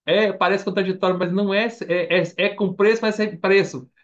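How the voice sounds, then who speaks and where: Brazilian male preacher, higher-pitched voice, sermon full of questions put to the listeners and then answered, muffled lo-fi audio. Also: brisk. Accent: Brazilian Portuguese. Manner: animated, asks the congregation questions and answers them. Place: church or online meeting.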